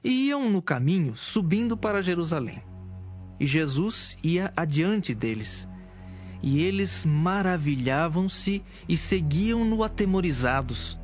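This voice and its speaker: A man's voice: sits high, expressive, slow pace, soft background music. A man reading scripted narration for a dramatized audio Bible.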